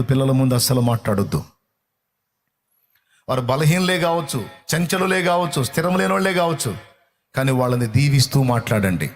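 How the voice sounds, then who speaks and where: A middle-aged man preaching a sermon in a fervent, repetitive cadence. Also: medium pitch. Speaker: pastor.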